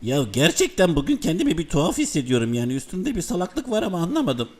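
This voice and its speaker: A man's voice: a little high, wildly swooping pitch, fast talker. A man voicing a sly, grumbling male house cat who whines and mocks. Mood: whiny. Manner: grumbling, whiny, mocking. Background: music.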